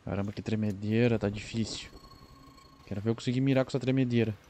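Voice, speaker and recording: Brief: gameplay streamer, mellow low voice, jittery self-talk, faint hiss. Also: male voice, fairly even intonation, quick pace. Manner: nervous, talks to himself. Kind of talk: let's play commentary.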